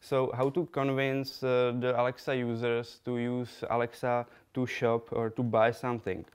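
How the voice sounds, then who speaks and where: A young man from the Czech Republic speaks English with a Czech accent, presenting slides in a lecture room. His voice is very smooth and clear but flat in pitch. He talks haltingly, full of fillers and restarts. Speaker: researcher giving a talk. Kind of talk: conference talk with slides.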